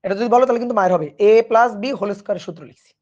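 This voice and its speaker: Man, physics teacher, online class, high voice, chatty, checks in with students, muffled lo-fi sound. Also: fast talker. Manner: drops to a hushed voice at times.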